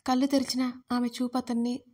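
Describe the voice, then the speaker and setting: Woman narrating a story in a high flat voice. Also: fairly quick. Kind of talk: scripted narration of a love story.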